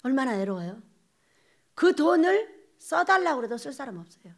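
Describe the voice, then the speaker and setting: A woman's voice: high-pitched, moderate pace. A woman pastor preaching a sermon, telling stories with laughter and acting out quotes. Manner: animated storytelling with laughter and acted-out quotes. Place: church sanctuary.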